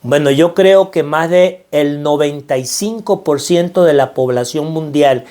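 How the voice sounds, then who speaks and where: A middle-aged Venezuelan man speaks as a financial mindset coach, his voice on the high side, a little slow and a little mellow. He delivers an earnest, preacherly motivational talk in Venezuelan Spanish, repeating phrases to drive his points home.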